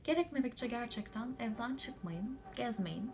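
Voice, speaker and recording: A woman's voice: fairly high pitch, lively intonation, measured pace. A young woman from Turkey giving an informative update, explaining point by point with hesitations. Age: young adult. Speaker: student living abroad.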